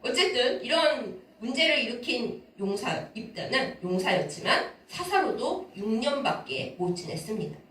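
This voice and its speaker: A woman pastor preaching a sermon, telling the story in a lively way with asides to the congregation. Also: a little high, normal speed, hardly any pauses. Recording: roomy church hall, mic far off.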